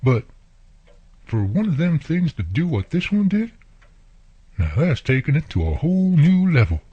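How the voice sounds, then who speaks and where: A man's voice: a little high, big pitch swings, moderate pace, mellow, slightly rough, dry recording. An actor playing a friendly, plainspoken country handyman neighbor with an American country accent, talking folksily in a radio drama. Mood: chatty, amazed. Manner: folksy, colloquial, drawling turns of phrase. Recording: muffled, lo-fi audio.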